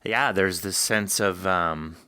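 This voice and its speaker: A man with a fairly low, forward and bright voice, recorded close and very dry. He speaks as a podcast host in conversation, feeling his way through long, halting questions. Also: clean tone, no room sound. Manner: halting, thinking aloud, rambling questions. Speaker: podcast host interviewing an author. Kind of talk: conversational interview.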